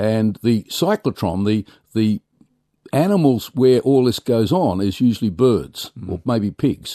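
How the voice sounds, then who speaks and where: A man speaks at a medium pitch with lively intonation and a fairly slow pace. His tone is dark and mellow, and the sound is dry and close with no echo against a quiet background. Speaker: physician. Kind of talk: interview.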